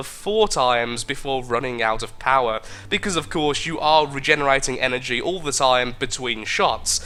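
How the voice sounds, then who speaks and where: The speaker has a British accent and talks at a moderate pace. The pitch swings very widely. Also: man. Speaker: gaming video creator. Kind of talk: game update guide narration.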